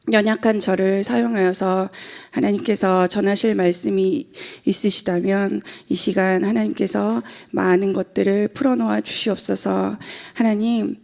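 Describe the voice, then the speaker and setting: Woman in her forties, church testimony, hesitant fillers, earnest, mid-pitched, gravelly edges. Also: darkish tone. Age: 40s. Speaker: pastor's wife giving testimony. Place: church sanctuary at the pulpit.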